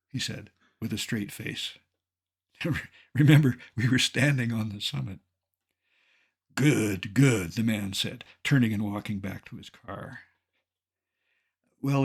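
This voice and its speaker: A man in his seventies from Colorado, a naturalist giving an illustrated lecture with dry, wry humor and a measured delivery. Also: fairly low pitch, gravelly, husky. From Colorado, United States. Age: 70s.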